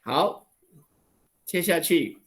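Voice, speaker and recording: A man with a Taiwanese Mandarin accent teaching an online language lesson over a video call, acting out exclamations with drawn-out, expressive voicing. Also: fairly high pitch.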